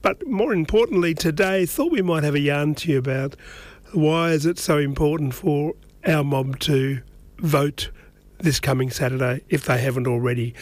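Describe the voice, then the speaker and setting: A man's voice: a little high, dry recording. A man with an Aboriginal Australian accent hosting a radio show in a casual, conversational, rambling way. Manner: conversational, rambling, tags questions with eh. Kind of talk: casual radio presenting and interviewing.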